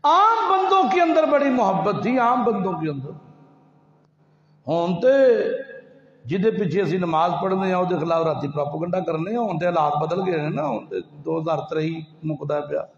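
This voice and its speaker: A man, giving a Friday sermon in a mosque. He chants, shouts and slips into sung phrases, then drops into quick asides. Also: high-pitched, a little hiss or hum. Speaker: preacher. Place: large mosque hall, indoors. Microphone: headset mic. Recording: roomy, slightly dull hall recording.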